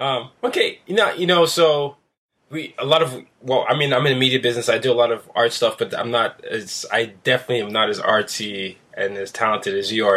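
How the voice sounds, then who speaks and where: A man with a slight Nigerian accent at a fairly quick pace. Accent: international English with a hint of Nigerian. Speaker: podcast host. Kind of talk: casual interview.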